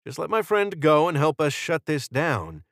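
A man's voice: a little high, big pitch swings, moderate pace, creaky, no echo, clean studio sound, voice pushed up. Man reading as a terse, grim hero, dryly recorded. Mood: controlled, urging. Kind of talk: audiobook character dialogue.

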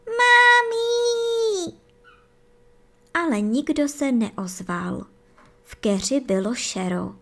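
A woman gently and expressively reading a bedtime fairy tale for children. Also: medium pitch. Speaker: storyteller.

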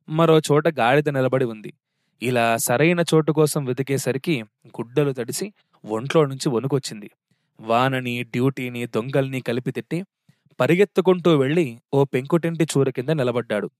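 A man narrating a story in a steady, wry reading voice. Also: mid-range voice, no room sound, studio quality.

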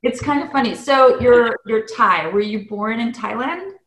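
A woman's voice: fairly high pitch, measured pace, a little hiss or hum. Curious woman host in an echoey room. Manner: curious, animated, laughs easily. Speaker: interviewer, host. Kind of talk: casual interview chat.

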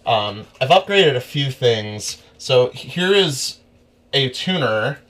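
A young man, a guitarist guest, telling stories in a rambling, animated way during a casual interview. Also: mid-range voice, slow. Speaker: musician guest.

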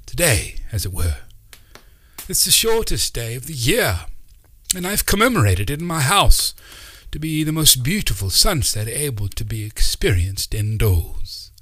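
A man putting on a fussy, excitable old uncle. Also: medium pitch, measured pace, husky, dry recording, pitched above the performer's own voice, exaggerated voice. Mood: delighted. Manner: fussy, rambling, theatrical. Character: eccentric excitable old uncle, male, whimsical.

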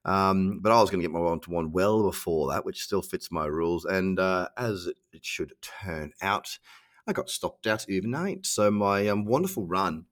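A middle-aged Australian man hosts his podcast alone in a loose, slangy, self-mocking way. His voice is on the low side and comes out nasal and stuffy from a cold. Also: moderate pace. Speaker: podcast host. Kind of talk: casual solo podcast.

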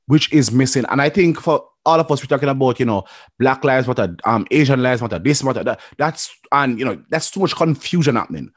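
Male chef-host, middle pitch, encouraging, dry close recording. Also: lively intonation, brisk, slightly rough, no room sound. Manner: encouraging, affirms often with "yeah". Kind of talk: casual interview chat.

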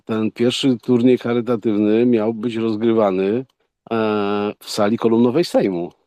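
A man giving informal remarks as a guest speaker, halting and rambling, often repeating his words. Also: lowish voice, fairly even intonation, dark tone, no echo. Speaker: poker event co-organizer, guest speaker.

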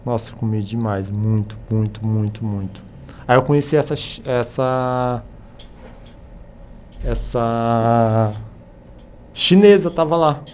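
A Brazilian man chatting casually as a podcast guest, telling anecdotes in an animated way and acting out the dialogue. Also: medium pitch, slow, long pauses, a little hiss or hum. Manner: animated retelling with acted-out dialogue.

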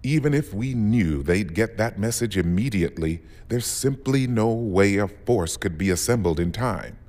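Low, commanding admiral played by a man, hall reverb. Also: lively intonation, moderate pace, darkish tone, close to an everyday voice. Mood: grave, resolute. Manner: authoritative, clipped, formal. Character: stern, commanding military fleet admiral, grave and decisive. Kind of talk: science fiction audio drama acting. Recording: long echo of a large hall.

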